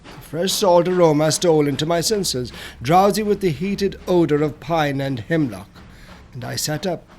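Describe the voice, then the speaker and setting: A man's voice: a little high, expressive, moderate pace, a little mellow, slight background noise. A man reading a classic horror tale as a scripted, dramatic audiobook narration.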